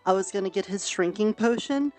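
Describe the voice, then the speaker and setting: A woman's voice: mid-range voice, a little fast, a little mellow, soft background music. A woman streamer roleplaying in character, motherly and practical as she hands out food and advice.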